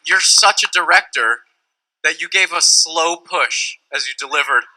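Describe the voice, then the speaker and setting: A man's voice: fairly high pitch, unhurried, bright, forceful tone, rough recording. A man on a convention panel, teasing his co-panelists in a playful way. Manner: teasing, playful, mimics people. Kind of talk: comedic panel banter.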